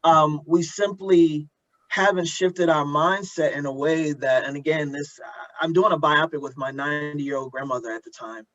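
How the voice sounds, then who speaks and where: A man hosting a conversation, speaking earnestly and reflectively, haltingly repeating words as he builds his point. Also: a little high, fairly even intonation, a bit bright. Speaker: interviewer and host of an audio drama community event. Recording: dull lo-fi audio.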